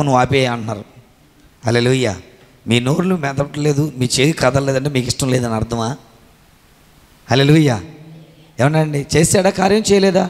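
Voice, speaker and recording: A man preaching a sermon, throwing questions to the congregation and swinging between loud cries and low asides. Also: in a large hall. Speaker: pastor. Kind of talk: Telugu sermon.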